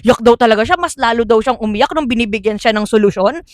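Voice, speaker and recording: A woman's voice: fairly high pitch, quick pace, dry recording, clean studio sound. A woman vlogger telling stories casually and animatedly, laughing often and acting out what people said. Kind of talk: casual storytelling.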